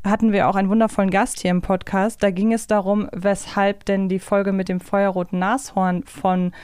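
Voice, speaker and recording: A woman with a smooth, clear voice of medium pitch chats as a podcast co-host. She is casual and reflective, in a dry, close recording. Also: flat delivery, normal speed, a little mellow, no room sound. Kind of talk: casual conversational discussion.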